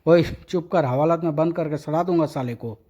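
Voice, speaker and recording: A man's voice: on the high side, normal speed, mellow, lightly acted. A man voicing a blustering, boastful comic police constable who hurls coarse threats. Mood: angry.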